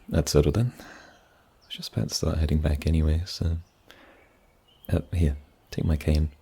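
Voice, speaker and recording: A man playing a gentle, wary and kindly forest mage in a fantasy ASMR roleplay, soft-spoken and a little hesitant. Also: a bass voice, moderate pace, vocal fry, slightly rough, heavily acted. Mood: concerned, helpful.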